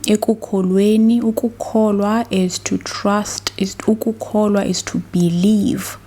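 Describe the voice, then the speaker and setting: A South African woman speaks softly and slowly, often slipping into a whisper. Her tone is mellow and dark, at a middling pitch. She sounds gentle and reassuring, like an ASMR host sharing devotional readings. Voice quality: soft, hushed, slipping into whisper. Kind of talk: soft-spoken, partly whispered ASMR Bible reading and prayer.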